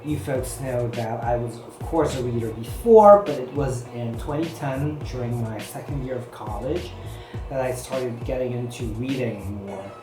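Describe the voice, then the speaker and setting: Speaking at a moderate pace and medium pitch, this chatty book vlogger from the Philippines, a native Filipino speaker, rambles through a casual review full of "you know" and "like". Her echoey room has music playing behind her.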